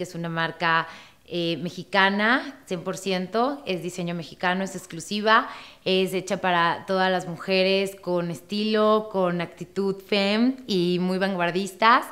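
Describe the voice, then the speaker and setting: The voice has a bright, sharp tone and ordinary pitch variation, moving at a very slow pace. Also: woman. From Mexico, Veracruz. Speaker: fashion brand creative director. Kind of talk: promotional interview. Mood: upbeat, friendly promotional. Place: studio.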